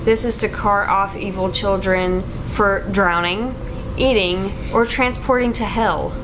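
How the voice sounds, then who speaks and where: Woman podcast host, mid-pitched, casual, laughs between passages, steady hum behind. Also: measured pace. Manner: chatty, laughs often between read passages. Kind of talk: casual podcast, reading notes aloud.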